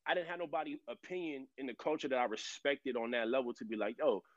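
A man's voice: mid-range voice, fast talker, no room sound. A man as a guest on a remote call, talking in brash street slang, his voice muffled through a headset mic. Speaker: guest battle rapper. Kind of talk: casual podcast chat.

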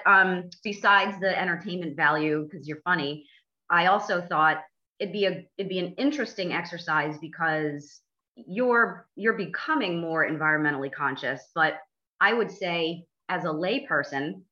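A woman's voice: low voice, bright, forceful tone, muffled recording. A woman attorney hosting a casual podcast, quizzing her co-host with dry, blunt teasing.

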